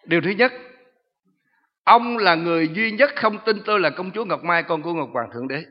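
Shrill mocking demon a preacher puts on, high and loud, muffled echoey hall. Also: male voice, lively intonation, brisk. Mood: taunting. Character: boastful taunting demon possessing a young woman.

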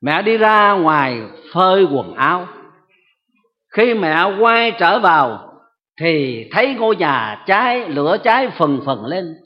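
A man's voice: sits high, big pitch swings, slow pace, heavily acted. A man voicing a sorrowful tender mother. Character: grieving mother explaining her sacrifice. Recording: echoey hall, dull lo-fi sound.

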